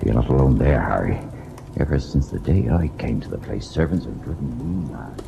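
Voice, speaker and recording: Radio drama casting: gruff, teasing country doctor, very low creaky rumble, dull noisy vintage sound. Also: male voice, expressive, moderate pace, full character voice. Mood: grumbling, companionable. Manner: bluff, colloquial, peppered with "eh" and "aye". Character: gruff, skeptical village doctor, bluff and teasing friend. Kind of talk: old-time radio drama acting. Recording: muffled, noisy old radio recording.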